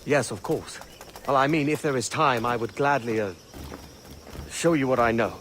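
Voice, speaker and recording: An actor playing a guarded young sailor posing as a turncoat, terse and hesitant, in a video game. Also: male voice, mid-range voice, normal speed, a bit bright, slight background noise, natural voice.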